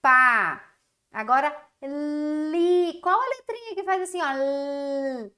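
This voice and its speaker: A woman's voice: high-pitched, lively intonation, slow, sharp tone. A Brazilian woman teaching young children in a recorded class, stretching out syllables in a sing-song, encouraging way. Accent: Brazilian Portuguese. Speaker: primary school teacher.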